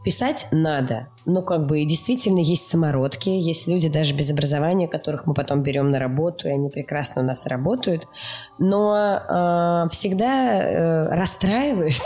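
Lower-pitched woman explaining in an interview. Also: normal speed, dark tone, faint music behind. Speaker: animation studio production executive, interview guest. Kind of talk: explanatory interview talk with acted-out examples.

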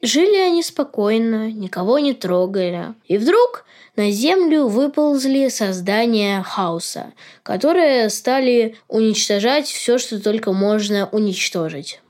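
A woman's voice: a little high, expressive, a little slow, darkish tone. A woman co-hosting a podcast, explaining and retelling things in a casual chat style. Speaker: podcast co-host.

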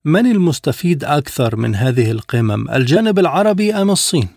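A man's voice: a little high, very animated, fast talker, a little mellow, no echo, studio quality. A man hosting a radio interview, speaking formal Standard Arabic in a broadcast manner.

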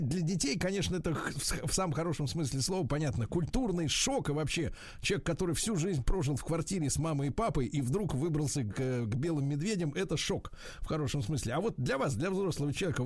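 A man's voice: on the high side, no room sound, clean studio sound. A man hosting a radio morning show, chatty and playful as he interviews a guest. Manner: lively, chatty, playful asides. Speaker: radio host.

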